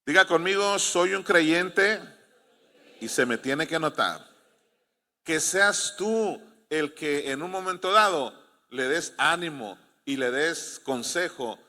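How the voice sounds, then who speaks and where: Mexican pastor, male, fairly high, bright forceful voice, storytelling sermon, long hall echo. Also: slow pace. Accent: Mexican Spanish. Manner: storytelling preacher who asks the congregation to respond.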